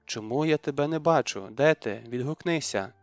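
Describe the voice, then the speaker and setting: A man's voice: medium pitch, moderate pace, no echo, close to an everyday voice. Man narrator doing a desperate young mother, pleading and raised, dull dry audiobook sound. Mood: frantic.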